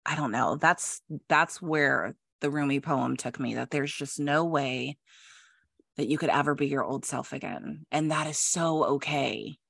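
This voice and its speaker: Bright-voiced woman in reflective conversation. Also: low-pitched, a little slow, vocal fry, husky, dry recording, clean studio sound. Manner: emphatic, repeats phrases for emphasis. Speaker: podcast host.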